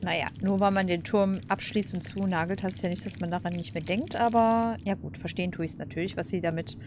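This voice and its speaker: A woman with a fairly low voice gives casual let's play commentary. She thinks aloud in blunt, colloquial phrasing, with clear background noise and game ambience behind her. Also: fairly even intonation, fairly quick. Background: video game ambience.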